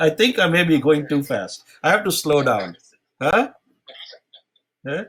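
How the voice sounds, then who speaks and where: A man's fairly high voice with vocal fry, very wide pitch swings, a fairly slow pace and long, frequent pauses. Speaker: coin historian giving a talk. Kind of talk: online lecture. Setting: live stream. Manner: hesitant with many fillers.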